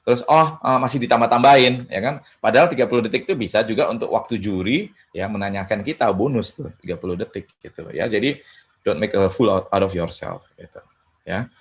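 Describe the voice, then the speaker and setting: A man's voice: fairly low pitch, fairly quick. A man mentoring at an online hackathon, giving casual presentation advice. He keeps adding "ya kan" and "gitu" and slips English phrases into his sentences. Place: home setup for an online session. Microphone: video call.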